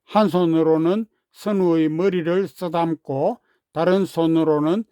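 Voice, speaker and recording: A man narrating a children's storybook in a gentle, unhurried way. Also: on the high side, fairly even intonation, clear, resonant tone, dry recording, clean studio sound.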